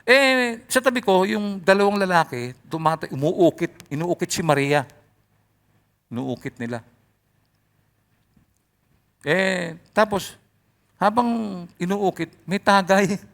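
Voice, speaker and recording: A male pastor delivering a sermon with animated energy. His voice sits a little high and swings widely in pitch. It often rises loud. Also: slow, pauses often.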